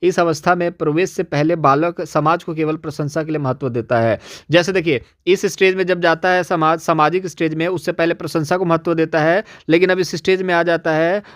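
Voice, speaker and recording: A man's voice: a little high, steady tone, fairly quick. A man teaching an exam-prep lesson, explaining step by step and speaking directly to viewers, often restating points. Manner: repeats and rephrases, addresses viewers directly. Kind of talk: explanatory lecture.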